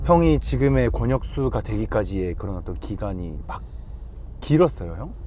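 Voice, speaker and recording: Young man asking lively questions. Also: lowish voice, moderate pace, a little hiss or hum. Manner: friendly, asks questions. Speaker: band member hosting. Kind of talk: casual interview chat.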